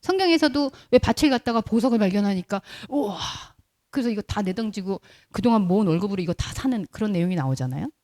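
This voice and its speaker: A woman pastor delivers a sermon in a church, speaking like she's chatting with the people in front of her. She keeps asking them rhetorical questions. Her pitch moves up and down a lot, and her voice sounds soft and warm. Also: animated, fast, hardly any pauses. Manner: conversational preaching with rhetorical questions to the congregation.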